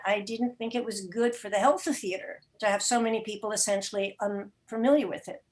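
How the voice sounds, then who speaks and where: A mature woman speaking reflectively as an interview guest on a video call, articulate, with thoughtful pauses mid-sentence. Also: fairly high pitch. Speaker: interview guest, theater podcast producer. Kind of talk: reflective conversational talk. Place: indoor room, video call.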